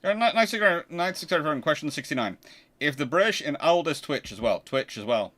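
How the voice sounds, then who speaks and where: A man hosts a livestream in a casual, chatty way, answering viewer questions. His voice is fairly high, expressive, and a bit bright, and he talks briskly. He often repeats words as he restarts phrases.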